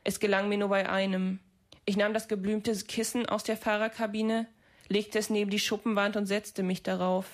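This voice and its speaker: Woman reading prose in a flat, even voice. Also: medium pitch. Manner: measured, even, restrained. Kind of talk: literary reading.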